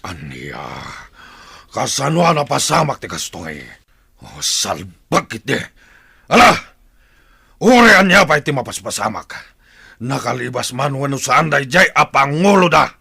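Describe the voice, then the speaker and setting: A man with an Ilocano Filipino accent playing a commanding, hot-tempered tribal chief and stern father in a radio drama, with a rough, gravelly voice. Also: medium pitch, very animated, measured pace, bright, forceful tone, dry recording, clean studio sound, full character voice. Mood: angry, alarmed. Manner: authoritative, barking orders.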